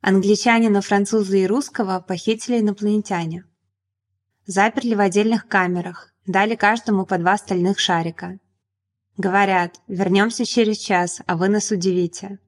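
Woman voicing a lively joke teller in an audiobook, mid-pitched. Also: normal speed, close to an everyday voice. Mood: amused. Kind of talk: audiobook reading.

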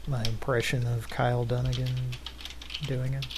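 A man's voice: medium pitch, little pitch movement, moderate pace, noisy background. A man hosting a prank-call show in casual chat, rambling and joking and laughing often. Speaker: host.

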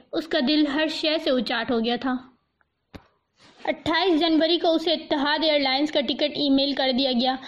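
A woman narrating a novel as an audiobook in a steady, expressive reading voice, on a dull lo-fi recording. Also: high voice.

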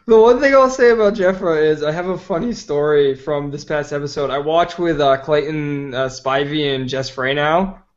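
As a guest on a casual podcast, a man talks at length and with strong opinions, packing his speech with "like"s. His voice is on the high side, at normal speed with few pauses, and the lo-fi recording sounds slightly dull.

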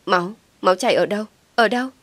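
A woman voicing a distraught young mother who cries out in shrill outbursts. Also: fairly quick, no room sound, close to an everyday voice.

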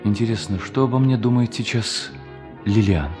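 An actor playing a bitter, lonely bank thief in hiding, in a theatrical radio play monologue that moves between muttering and solemn declamation. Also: male voice, lowish voice, normal speed, loud music behind the voice, close to an everyday voice. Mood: bitter, agitated. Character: brooding fugitive bank thief, bitter, lonely, self-tormenting man.

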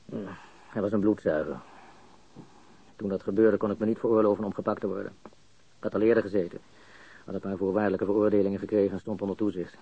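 An actor in a radio crime drama playing a nervous, bitter small-time crook who stammers and talks in slang while confessing under interrogation. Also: male voice, on the low side, fairly even intonation, quick pace, pauses often, slightly rough. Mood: bitter, resigned. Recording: dull lo-fi studio radio recording.

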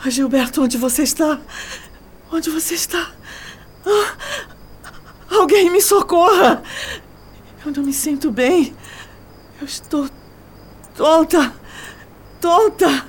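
A distraught young woman in a radio drama. Her voice is high and drawn out as she cries out and pleads, lost and lovesick. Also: lively intonation, slow pace, pauses often. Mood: desperate, dazed. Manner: crying out, pleading.

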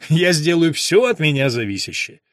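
A man voicing Elena, a sharp, ironic woman who answers with dry skepticism. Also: fairly high pitch, very animated, normal speed, no echo. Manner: wry, skeptical questions.

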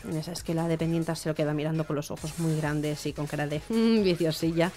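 A woman's voice: low voice, fast talker, faint music behind. Joke-telling woman radio host. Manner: lively joke-telling, acts out the characters' lines. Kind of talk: telling jokes on local radio.

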